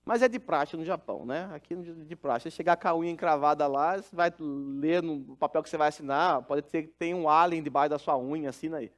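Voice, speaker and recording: Male pastor, middle-aged, earnest storytelling sermon, voice sits high. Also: fairly quick, few pauses.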